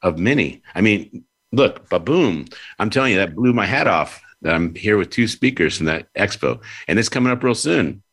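Upbeat low-voiced male host, loose and playful in conversation. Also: expressive, normal speed, breathy edge. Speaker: podcast host. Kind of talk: casual interview chat.

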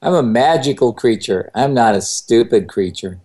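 A man co-hosts a casual chat show at an ordinary pitch. He jokes playfully with callers. He teases them lightly between questions. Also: expressive, normal speed, warm tone. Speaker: co-host.

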